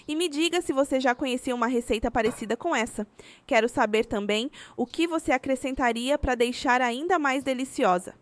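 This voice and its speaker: A woman with a Brazilian Portuguese accent, reading a scripted recipe voice-over as host. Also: fairly high pitch.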